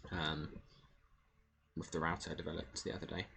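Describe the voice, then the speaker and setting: A man's voice: a bass voice, little pitch movement, moderate pace, vocal fry, sharp tone, slight background noise. A man streaming a video game, thinking aloud in a casual, rambling way with many fillers. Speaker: gaming streamer. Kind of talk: casual gameplay commentary.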